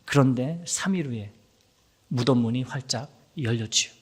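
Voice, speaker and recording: A man's voice: mid-range voice, moderate pace, slightly rough. A man preaching a sermon as pastor, acting out quoted voices and sometimes dropping to a whisper. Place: church sanctuary. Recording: long hall reverb.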